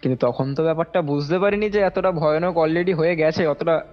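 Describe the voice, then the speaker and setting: A brisk young man with a voice on the high side shares a personal experience on a call. His casual telling is animated, repetitive, and rambling, with quotes acted out, heard through a dull lo-fi recording with music behind it.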